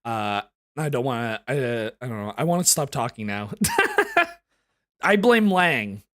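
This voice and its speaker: A woman streaming a game, animated and laughing, her voice going hoarse. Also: a bass voice, a little slow. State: losing her voice. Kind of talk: live game playthrough with voiced reading.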